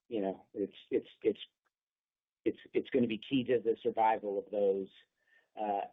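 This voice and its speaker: A man speaking as a company executive, giving unscripted answers on an earnings call in a halting way, repeating words as he goes. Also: medium pitch, breathy edge. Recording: thin phone-line conference call.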